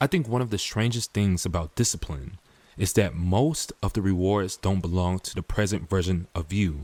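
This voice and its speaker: The speech moves at a moderate pace with ordinary pitch variation. The sound is dry and close, with no echo. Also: man. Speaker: late-night reflection podcast host. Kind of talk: reflective monologue.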